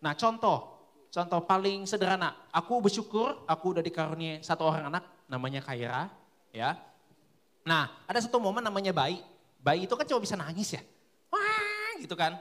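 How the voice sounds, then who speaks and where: A young man preaching a sermon, lively and colloquial, asking his listeners question after question. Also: sits high, a little fast.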